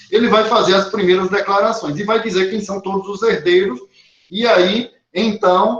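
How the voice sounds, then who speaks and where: A man speaks at a fairly slow pace. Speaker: law professor. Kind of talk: lecture. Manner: halting, repeats words.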